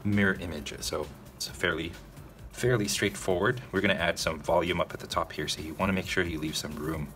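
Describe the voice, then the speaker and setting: Man, low voice, casual drawing tutorial host, talks to viewers, soft music behind. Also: brisk, few pauses. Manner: casual, addresses viewers directly, frequent "okay?" check-ins. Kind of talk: narrated step-by-step drawing tutorial.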